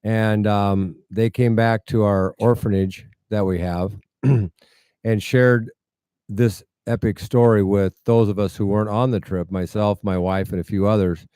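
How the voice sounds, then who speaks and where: A middle-aged American man with a Midwestern accent and a fairly low, smooth voice. He tells his story earnestly with wry humor, close and dry, as a guest in an interview. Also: steady tone, a little slow, dark tone, dry recording. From United States, rural Iowa. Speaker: interview guest, medical mission founder. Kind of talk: conversational storytelling.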